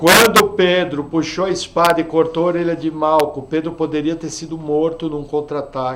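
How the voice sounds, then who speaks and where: Speaking with a São Paulo accent, a man uses a fairly high voice, fairly even intonation and a moderate pace. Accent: São Paulo (paulista). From Brazil, São Paulo. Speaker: pastor. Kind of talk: sermon / Bible study. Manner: conversational.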